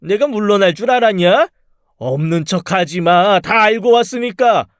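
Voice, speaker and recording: A man's voice: high-pitched, lively intonation, moderate pace, dry recording, studio quality. A man playing a menacing, money-grubbing father in an audio drama, coarse, mocking and bullying in manner. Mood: threatening rage. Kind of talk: dramatized audio story acting.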